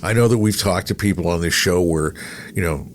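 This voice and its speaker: A middle-aged man chatting casually as a podcast host, telling anecdotes in a rambling, animated way. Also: deep voice, a little fast. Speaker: podcast host, veteran radio broadcaster. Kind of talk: casual interview chat with anecdotes. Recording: clear background noise.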